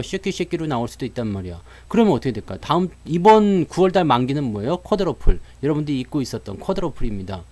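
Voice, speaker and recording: A man talks through the stock market in a loose, joking way. His voice sits somewhat high and swings widely as he slips into comic voices for the people in his analogies, and he laughs often mid-sentence. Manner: animated, acts out joking quotes and analogies. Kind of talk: casual market talk.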